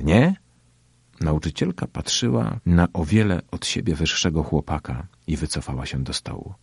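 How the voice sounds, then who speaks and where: A man with an extremely deep, husky voice narrates a first-person audiobook. His delivery is steady and measured. The sound is dry, close to the microphone. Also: no echo.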